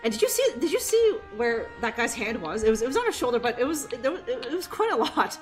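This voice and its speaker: A woman's voice: on the high side, sing-song, brisk, faint music behind. A woman streamer giving casual gameplay commentary, giggly and rambling.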